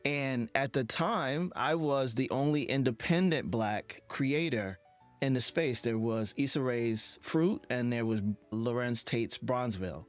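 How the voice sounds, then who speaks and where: A man's voice: mid-range voice, a little slow, soft background music. A man hosting an interview in a conversational style. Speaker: interview host.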